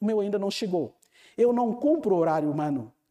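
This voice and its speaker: Speaking at a fairly quick pace, a man uses a high, dark and mellow voice with lively intonation. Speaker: preacher. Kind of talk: sermon. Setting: church.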